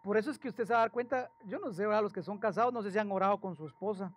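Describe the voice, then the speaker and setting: A male pastor, preaching a sermon in a lively storytelling way and asking the congregation questions. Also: high voice, racing. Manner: animated storytelling with acted quotes and questions to the congregation.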